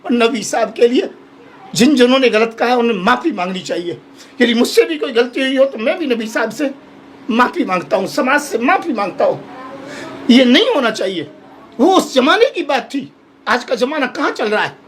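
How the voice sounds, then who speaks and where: A man's voice: very high-pitched, animated, normal speed, a bit bright, slight background noise. A man, a Hindu holy man appearing as a guest in a heated television debate, who speaks in an impassioned, pleading way and keeps repeating himself.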